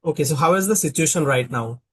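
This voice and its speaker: A man's voice: a little high, animated, fast, a bit bright, breathy edge. Bangladeshi man asking questions in practice chat. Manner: questioning, filler-heavy, restarts. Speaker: conversation partner, small YouTuber. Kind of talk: casual practice conversation.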